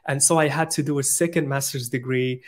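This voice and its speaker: A man's voice: medium pitch, steady tone, a little fast. A man in his thirties from Morocco, speaking as a guest over a video call, thinking aloud with many fillers and restarts. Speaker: guest, solutions architect.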